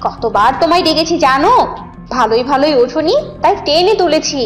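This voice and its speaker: A woman's voice: high voice, animated, moderate pace, roomy sound, faint music behind. A woman voicing a bossy, scolding fox wife and scheming thief in a cartoon, with a nagging, commanding manner. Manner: nagging, commanding, sharp-tongued. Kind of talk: cartoon character dialogue.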